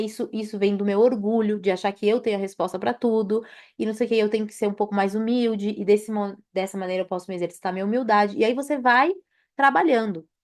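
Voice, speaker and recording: A woman's fairly high voice at a fairly quick pace, with ordinary pitch variation over a quiet background. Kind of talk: lecture. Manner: fast; casual.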